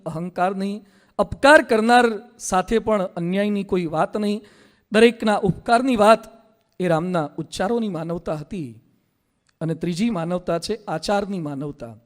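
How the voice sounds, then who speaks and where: Man, Gujarati accent, high voice, lively teasing sermon. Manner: animated, mocks people in quoted voices, repeats for emphasis. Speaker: Hindu monk preacher. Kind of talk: Gujarati religious discourse.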